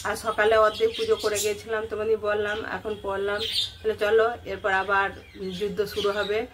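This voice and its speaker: A woman's voice: mid-range voice, completely flat delivery, fairly quick. Middle-aged woman, casual home vlog narration, talks straight to viewers, faint background noise. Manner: chatty, addresses viewers directly, repeats phrases. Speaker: homemaker and vlogger. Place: indoors at home.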